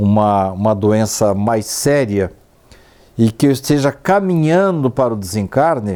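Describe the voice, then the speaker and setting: Lively intonation marks a man's dark, mellow tone at a medium pitch. He talks at a very slow pace. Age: 70s. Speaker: spiritist speaker and author. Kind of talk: interview on a religious program.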